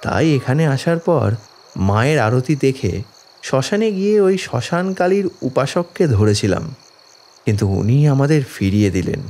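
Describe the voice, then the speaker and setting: In an audio horror story, a man plays a distraught village father who tearfully and deferentially pleads for his afflicted daughter, the mood anguished. His mid-range voice is very animated, unhurried and a little mellow, with dramatic music playing underneath.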